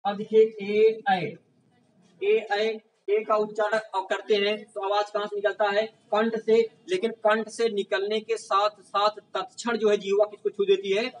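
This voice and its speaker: Man, high-pitched teacher giving a classroom lecture, quizzing the class as he goes, recorded from a distance. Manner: asks the class questions and answers them himself, often repeating "confirmed?". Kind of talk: classroom lecture for exam prep.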